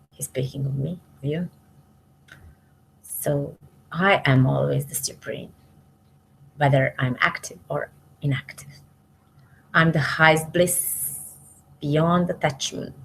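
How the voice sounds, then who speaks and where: A woman reading spiritual verses aloud devotionally, in measured short phrases that trail off softly at the ends. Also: sits low, steady tone, vocal fry, a little hiss or hum, low-quality recording. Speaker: reader of spiritual scripture, commenting as she goes.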